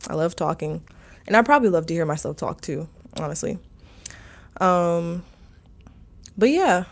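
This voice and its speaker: A young woman speaks in a slightly low voice, chatting loosely with her livestream viewers. She rambles and fills her speech with "like" and "um" as she works through their comments. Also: darkish tone. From Maryland, USA. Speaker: livestream host, meditation teacher. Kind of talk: casual livestream chat answering comments.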